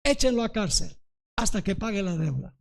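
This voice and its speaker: A man's voice: sits high, lively intonation, normal speed, gravelly, pitched below the performer's own voice. A man voicing a stern master in a parable who questions a debtor. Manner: demanding, scolding questions.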